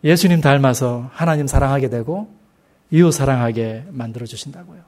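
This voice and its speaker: A middle-aged man preaching a sermon in a church, speaking slowly and emphatically and asking the congregation rhetorical questions. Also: medium pitch, a little mellow. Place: church sanctuary.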